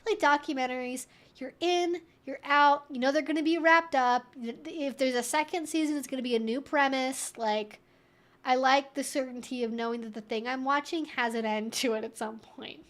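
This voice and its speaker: A woman's voice: high voice, normal speed, a bit bright. A woman hosting a casual Q&A livestream, talking in a chatty, rambling way full of informal asides. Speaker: livestream host answering viewer questions.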